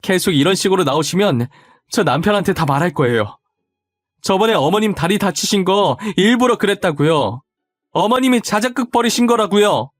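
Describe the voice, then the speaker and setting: A man's voice: sits high, animated, normal speed, no room sound, faint music behind, voice pushed up. A man voicing a distressed young wife who pleads and insists over and over. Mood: pleading.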